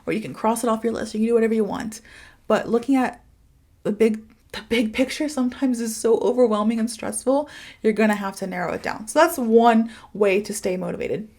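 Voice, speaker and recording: A woman's voice: fairly high pitch, fairly quick, a little mellow. Chatty, informal woman podcaster. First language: English. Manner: chatty, informal, emphatic with giggly asides. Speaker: podcast host and English teacher. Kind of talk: casual motivational podcast monologue.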